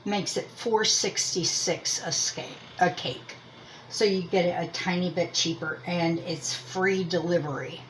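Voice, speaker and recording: Lady w/ pennsylvania dutch accent doing a chatty homemade review, really slow, kinda rambly, bit of background noise. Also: on the low side, steady tone, low-quality recording. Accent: Pennsylvania Dutch American. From Lancaster County, Pennsylvania, US. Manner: rambling, self-deprecating, thinking aloud. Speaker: host of a crochet and yarn channel. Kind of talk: casual chatty product review.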